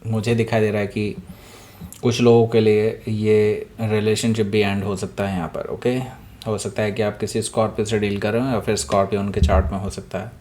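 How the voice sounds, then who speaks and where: A man talks through a tarot spread in a loose, chatty way, slipping between languages with filler sounds. His voice sits low and is husky from a sore throat. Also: little pitch movement, brisk, a little mellow. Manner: mixes Hindi with English phrases, many fillers. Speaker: tarot reader. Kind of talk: casual tarot reading to camera.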